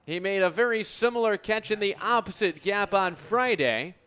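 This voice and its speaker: A man's voice: high-pitched, normal speed, fairly bright tone, clean tone. A young American man in his twenties calling sports play-by-play for radio in articulate, flowing descriptive calls. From United States. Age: 20s.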